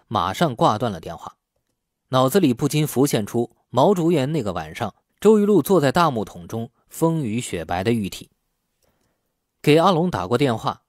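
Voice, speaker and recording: A man's voice: medium pitch, dry recording, studio quality. A man narrating a novel as a scripted audiobook.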